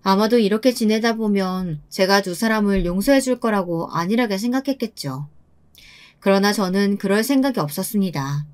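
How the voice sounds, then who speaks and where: A woman's voice: medium pitch, normal speed, darkish tone. Woman narrating a first-person story.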